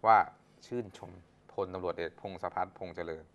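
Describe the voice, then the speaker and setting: A man hosting a political talk show, briskly reading news items and moderating the panel. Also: deep voice, fairly bright tone, muffled recording.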